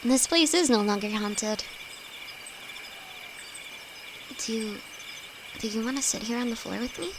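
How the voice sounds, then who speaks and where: Against a noisy backdrop of crickets and night forest sounds, a woman with a high voice and vocal fry plays a shy, affectionate young apprentice alchemist in an intimate fantasy audio roleplay. Gentle in mood, she speaks hesitantly and haltingly to her best friend, soft-hearted throughout.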